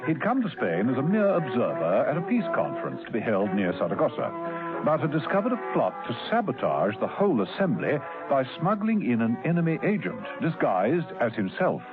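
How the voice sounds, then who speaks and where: A man's voice: mid-range voice, huge pitch swings, fairly quick. A man giving scripted dramatic narration for a radio serial. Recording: muffled old radio recording, faint music.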